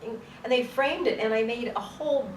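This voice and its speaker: A woman's voice: fairly high pitch, normal speed, slight background noise. A woman guest on a talk show, animatedly telling stories and laughing often. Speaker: guest, calligrapher and actress. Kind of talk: casual talk show chat. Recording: roomy, distant from mic.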